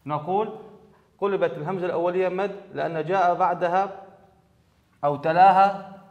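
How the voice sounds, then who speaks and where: A man's voice: high voice, fairly even intonation, a little fast. A man teaching a grammar lesson in a classroom, explaining step by step and repeating key words. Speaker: Arabic teacher. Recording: echoey hall, dull lo-fi sound.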